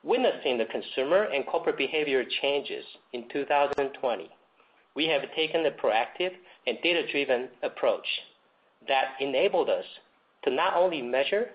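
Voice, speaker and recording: A man's voice: mid-range voice, lively intonation, normal speed. Man reading formally on dull lo-fi audio. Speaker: company executive. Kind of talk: scripted earnings call presentation, read aloud. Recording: dull lo-fi conference call audio.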